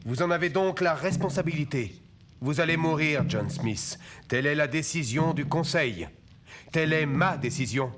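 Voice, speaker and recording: A middle-aged man playing a solemn tribal chief in a French cartoon dub, grave, authoritative and measured. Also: a little high, lively intonation, noisy background, close to an everyday voice. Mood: commanding. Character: stern, solemn male tribal chief and father. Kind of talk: French animated film dubbing. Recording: faint music behind the dialogue.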